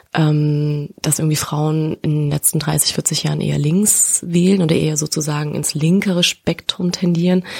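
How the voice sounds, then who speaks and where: Noticeable background noise sits behind a monotone, flat delivery. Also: woman. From Saxony, eastern Germany. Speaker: policy officer at a political foundation. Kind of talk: interview.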